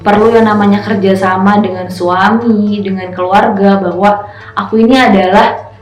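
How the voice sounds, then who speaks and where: A woman's voice: medium pitch, fairly even intonation, moderate pace. Earnest young mother, roomy sound. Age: 20s. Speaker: teacher and mother. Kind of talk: interview testimonial. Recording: roomy sound with soft music.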